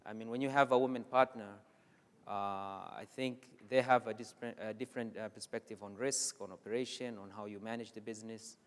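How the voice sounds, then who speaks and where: A man speaking on a panel, measured and hesitant with many fillers, in a conference hall. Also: lowish voice, steady tone. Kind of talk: panel discussion.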